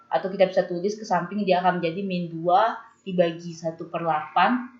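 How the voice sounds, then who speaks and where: A young woman tutoring a calculus problem step by step, patient and slowing down when she reads out formulas. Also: on the low side, steady tone. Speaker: math tutor. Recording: echoey room, dull lo-fi sound.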